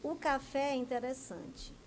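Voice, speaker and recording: A Brazilian woman with a somewhat high voice answers interview questions as a speech therapist. She explains things carefully and keeps posing questions she answers herself. A faint noise sits under her voice. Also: expressive, a little slow, a little mellow. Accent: Brazilian Portuguese. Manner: didactic, asks and answers her own questions. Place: TV news studio.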